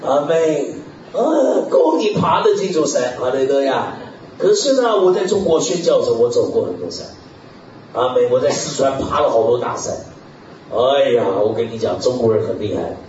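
A man preaching a sermon in an animated way, peppering his talk with hallelujah and amen, chuckling often and sometimes bursting into shouts. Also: mid-range voice, moderate pace, slight background noise. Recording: echoey hall, distant mic, dull lo-fi.

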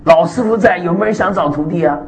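A man preaching a sermon, animated and emphatic, with frequent hallelujahs and amens. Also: high voice, fast talker, a little hiss or hum. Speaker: pastor.

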